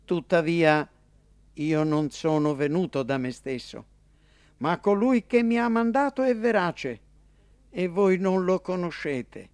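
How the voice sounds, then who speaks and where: A man's voice: on the high side, animated, a little mellow, dry recording, pitched above the performer's own voice. A fervent male teacher speaks in a raised, ringing voice, each phrase drawn out and stressed, as a man reads him aloud. The sound is close and completely dry. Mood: impassioned. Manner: emphatic, declaiming, slow and ringing. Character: male preacher-teacher, earnest and impassioned.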